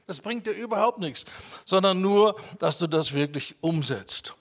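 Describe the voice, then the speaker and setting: High-pitched guy preaching, hammers on key words, slows down for bible verses. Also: lively intonation. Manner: emphatic, repeats key words, quotes scripture slowly. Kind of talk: sermon.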